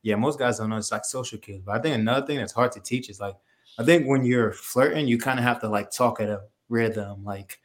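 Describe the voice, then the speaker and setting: A man's voice: mid-range voice, fairly quick. A man hosting a podcast, talking loosely with lots of "like" and "kinda". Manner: loose, filler-heavy, relaxed. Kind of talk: casual chat.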